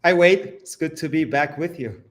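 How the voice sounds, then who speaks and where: A man from Iran, a guest in an interview, answering in a reflective, halting way with many fillers. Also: on the high side. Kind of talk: interview conversation.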